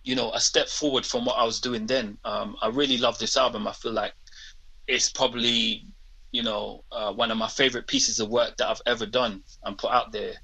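A man's voice: mid-range voice, moderate pace, vocal fry, slightly rough, poor audio. A man in his fifties with a London accent, talking casually as a guest rapper in an interview. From England. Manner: relaxed, says "man" often.

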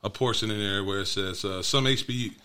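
A man's voice: lowish voice, fairly quick, bright, forceful tone, smooth. An African American man moderating a casual chat in colloquial speech, often repeating phrases as he goes. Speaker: discussion moderator.

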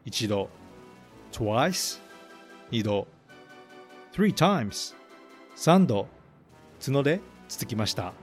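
A man reading a picture book aloud in English and Japanese, then explaining English phrases as a podcast host. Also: lowish voice. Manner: slow, careful reading of English lines, then Japanese translation; plain explanatory teaching tone. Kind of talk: bilingual storybook reading and English lesson.

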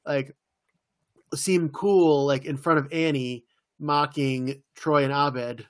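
A man's voice: a little high, fairly even intonation, takes it slowly, dry recording. A man co-hosting a podcast, casually walking through plot beats and quoting lines in an easygoing way. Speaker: podcast co-host. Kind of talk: casual episode recap chat.

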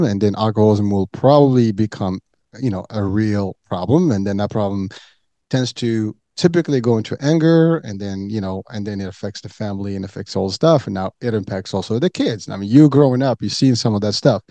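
A man's voice: fairly low pitch, brisk, warm tone, no room sound. A man from Morocco hosting a podcast, talking earnestly in a loose way, repeating words and saying "you know" a lot. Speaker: podcast host. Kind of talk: casual interview talk.

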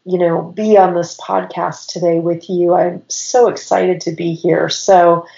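A woman in her forties chats as a podcast guest, her voice a little raspy from a cold. She runs her sentences together with "and" as she talks, pitched on the low side. The sound is roomy and somewhat muffled. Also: little pitch movement, unhurried, dark tone. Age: 40s. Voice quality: slightly raspy. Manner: rambling, stacks clauses with "and". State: has a cold. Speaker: podcast guest, business owner. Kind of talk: casual interview storytelling.

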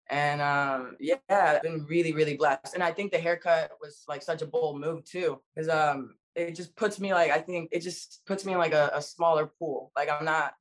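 A young woman from the Dominican Republic, guest in an interview, talking in a casual, slangy, animated way. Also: sits low. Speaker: actress guest.

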